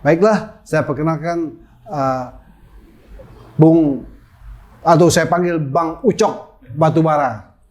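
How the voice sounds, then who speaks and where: An older man hosting an online talk show, introducing a guest and asking slow questions with many fillers. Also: fairly high pitch, a little mellow, a little hiss or hum. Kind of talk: casual interview chat.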